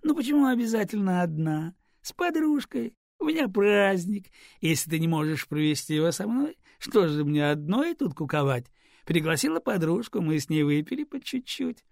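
A man's voice: sits high, lively intonation, normal speed, creaky, a little mellow, no room sound, studio quality, pitched above the performer's own voice. A man voicing a tipsy young mother who scolds her partner and coos baby talk to her infant. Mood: playful.

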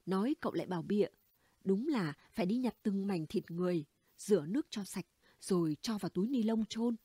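A woman's voice: mid-range voice, expressive, a little fast, warm tone, breathy edge, no room sound, studio quality. A woman reading the dialogue of a gossipy, blunt middle-aged neighbor woman in an audiobook, chatty and conspiratorial. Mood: gossiping.

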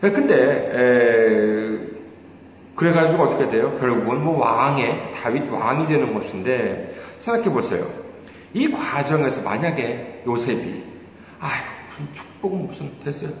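Pastor preaching in a very echoey hall. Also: male voice, mid-range voice, animated, a little slow. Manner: conversational, asks the audience rhetorical questions; hesitant with many fillers, chuckles while telling stories. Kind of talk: sermon. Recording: very echoey hall, faint room noise.

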